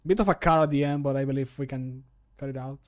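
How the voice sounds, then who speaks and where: A man's voice: medium pitch, fast talker, a little mellow. A man in his thirties chatting casually as a streamer while he works. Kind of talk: casual chat while recording voice lines. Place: small home room.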